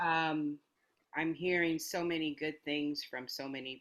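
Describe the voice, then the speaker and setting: A woman talks in a very deep, low voice. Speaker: church member and web designer. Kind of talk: casual chat. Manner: soft-spoken.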